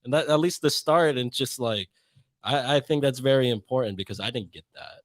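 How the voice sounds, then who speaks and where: A young man talking in a casual interview, mid-pitched, rambling through his thoughts with plenty of fillers and restarts. The sound is dry and close, with no room around it. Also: a little fast, no echo. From United States. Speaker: podcast guest.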